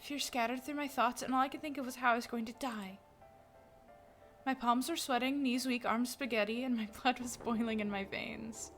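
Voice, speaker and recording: A young woman streamer reads a visual novel's narration aloud with feeling, then drops into quick, casual asides of her own. Her voice sits a bit high, with faint game music playing behind her. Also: steady tone, fairly bright tone. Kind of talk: let's play, reading game narration aloud.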